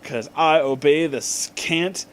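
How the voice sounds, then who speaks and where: Man playing young heroine, melodramatic, exclaiming, raised pitch, slow delivery, comic story reading. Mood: overdramatic. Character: melodramatic young heroine narrator of badly written fan fiction.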